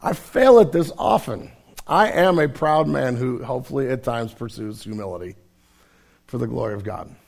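A male pastor preaching a sermon, hoarse and raspy from a cold, earnest and self-deprecating in a conversational way. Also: mid-range voice, expressive, normal speed, a little mellow.

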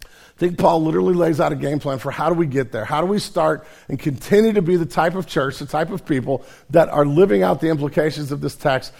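A male pastor preaching a sermon, hoarse and raspy from a cold, earnest and self-deprecating in a conversational way. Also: a little high, fairly quick, darkish tone.

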